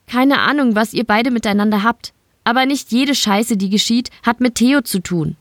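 A woman's voice: on the high side, moderate pace, dry recording, studio quality, voice pushed up, natural voice. A woman doing a bitter, beaten young guard. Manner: reproachful, pointed.

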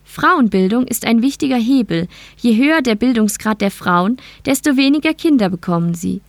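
A woman voicing a calm, evasive female machine intelligence, speaking in a measured, explanatory way. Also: a little high, no echo. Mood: explaining.

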